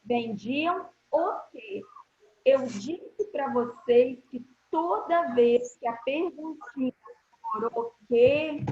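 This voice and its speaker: A Brazilian woman with a Brazilian Portuguese accent teaches grammar to schoolchildren online, her fairly high voice moving very slowly and deliberately as she keeps asking whether the class is following. The audio sounds roomy and slightly dull, like a video call, with a little background noise.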